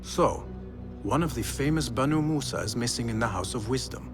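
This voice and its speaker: A man playing a respectful, earnest young Arab assassin in a video game, with formal, measured speech. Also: mid-range voice, over music, natural voice. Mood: calm, respectful. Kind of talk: video game cutscene acting.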